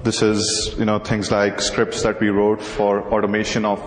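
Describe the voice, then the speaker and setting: Man, Indian accent, young adult, conference presenter, hesitant, monotone, roomy hall reverb, faint hiss. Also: on the low side, normal speed. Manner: hesitant, many uh fillers. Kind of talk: technical conference talk. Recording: echoey hall, faint noise.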